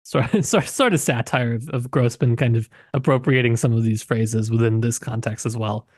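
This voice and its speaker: A man's voice: medium pitch, moderate pace, no echo, clean studio sound. A man co-hosting a podcast, casually discussing literature and tentatively thinking aloud as he goes. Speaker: podcast co-host.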